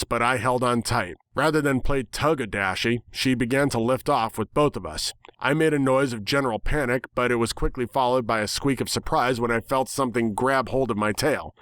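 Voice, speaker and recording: A man's voice: medium pitch, fairly bright tone, clear, resonant tone, no room sound, studio quality. A man giving a dramatic scripted reading of a story as its narrator.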